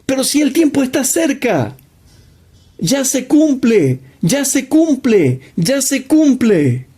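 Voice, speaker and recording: A man's voice: extremely high pitch, very animated, slow, warm tone, breathy edge, pitched above the performer's own voice, exaggerated voice. A man voicing a fearful male doomsday alarmist who repeats breathless warnings. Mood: alarmed.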